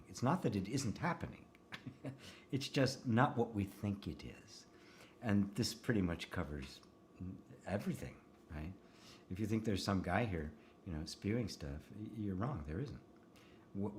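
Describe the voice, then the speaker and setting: Guy teaching spirituality live, lowish voice, chuckles a lot, lots of "right?", bit of faint hiss behind. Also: darkish tone. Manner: laughs often, many restarts and "right?" tags. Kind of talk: casual spiritual talk, reading out comments. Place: seated indoors.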